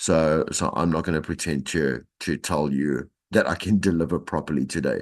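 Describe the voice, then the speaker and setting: A man speaks at a moderate pace in a very deep, low voice with vocal fry. His intonation is fairly even, and the background is quiet. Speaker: lecturer. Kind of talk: lecture. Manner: hesitant.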